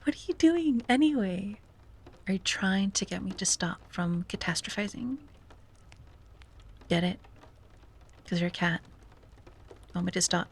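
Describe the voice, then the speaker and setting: Woman playing a slow, whispery, lovelorn sea-witch. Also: medium pitch, a little hiss or hum. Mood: playfully exasperated. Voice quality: breathy, often dropping to a whisper. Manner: hesitant, musing, sighing, gently playful. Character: wistful, self-doubting young sea-witch confiding in her cat. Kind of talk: ASMR roleplay, soft intimate monologue.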